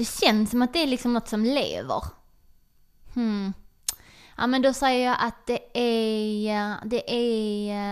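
A woman's fairly high voice in a Scanian accent, very slow, with long, frequent pauses and fairly even intonation. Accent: Ystad dialect. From southern Sweden, Ystad (Skåne). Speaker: comedian. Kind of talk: casual interview chat.

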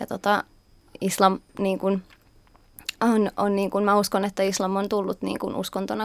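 Medium in pitch, a woman speaks at a fairly slow pace. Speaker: student and youth organization chair. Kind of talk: radio panel discussion. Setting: studio.

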